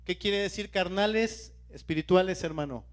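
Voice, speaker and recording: Lay preacher, man, high voice, questions the congregation throughout a sermon. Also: normal speed. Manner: questions the congregation and urges them to stay alert; keeps calling out to his listeners.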